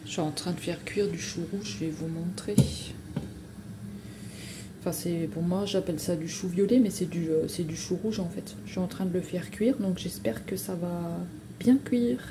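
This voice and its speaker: A woman's voice: on the low side, normal speed, heavy background noise. A woman in her thirties chatting casually in a home vlog from her kitchen, rambling with lots of fillers and slang. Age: 30s. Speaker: vlogger.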